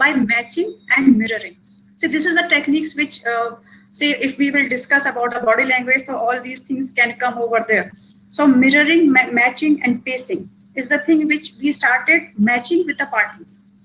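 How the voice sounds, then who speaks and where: A woman speaks in a raised, projected voice. Her pitch is high, and her pace is moderate. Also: ordinary pitch variation. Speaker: mediator presenting a webinar talk. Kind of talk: lecture.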